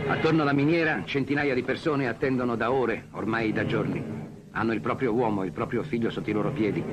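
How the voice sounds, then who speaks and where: A man's voice: on the low side, poor audio. A man narrating an old 1950s newsreel in a solemn, dramatic declaiming voice over music. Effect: old newsreel soundtrack.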